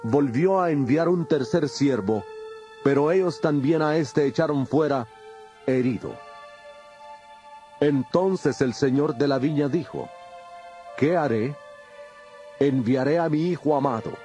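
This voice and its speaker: A man's voice: a little high, measured pace, long pauses, warm tone, muffled recording, close to an everyday voice. An actor playing Jesus in a dramatized audio Bible, a grave, authoritative male teacher who speaks in a solemn, declamatory way. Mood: solemn storytelling. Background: music.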